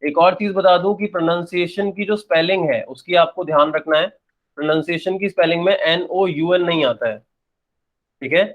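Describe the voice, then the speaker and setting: The sound is phone-quality, carrying a young Indian man's slightly high voice at normal speed. He's giving a classroom-style English grammar lesson, explaining, checking, restating points, and answering his own questions.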